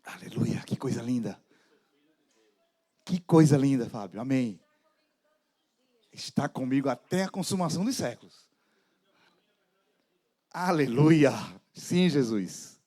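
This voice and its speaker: A man preaching a sermon as pastor, dramatic, with sudden soft drops in his voice. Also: mid-range voice, takes it slowly, long pauses.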